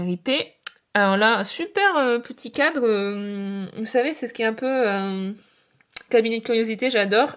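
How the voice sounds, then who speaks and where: A woman's voice: medium pitch, fairly bright tone. A young woman showing her bookshelves in a casual vlog, rambling with lots of fillers. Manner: chatty, rambling with many fillers. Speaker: booktuber and author. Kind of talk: casual book-collection vlog. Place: home room with bookshelves.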